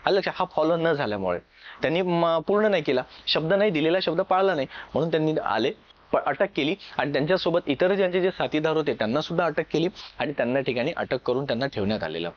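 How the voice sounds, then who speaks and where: A male coaching teacher with a Marathi accent from Maharashtra lectures at a rapid clip in a slightly high voice. He explains point by point and keeps tossing out short questions to check understanding. The sound is dull and lo-fi. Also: expressive. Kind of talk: classroom history lecture.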